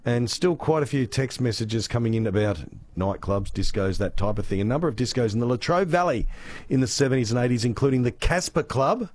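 An Australian man presenting talkback radio in a studio, with a gravelly voice and a dry, teasing manner. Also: medium pitch, lively intonation, brisk, a little mellow. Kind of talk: casual talkback radio chat.

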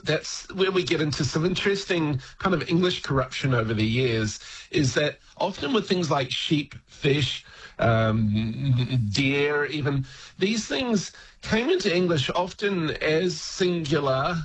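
A man's voice: fairly high pitch, expressive, slow pace, husky, poor audio. A man, a regular word expert on a radio show, chatting casually with lots of ums, restarts and laughs. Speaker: regular language guest on radio.

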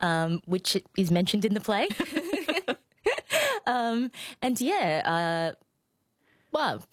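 A woman, a playwright and actor, talking in a radio interview in a soft, thoughtful way with frequent pauses and ums. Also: mid-range voice, animated, dry recording, studio quality. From Australia. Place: radio studio.

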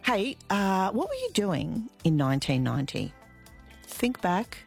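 A middle-aged woman with an Australian accent hosting live radio, chatty and relaxed, with frequent fillers. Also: mid-range voice, a little slow, vocal fry, soft background music. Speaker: radio host. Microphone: studio microphone.

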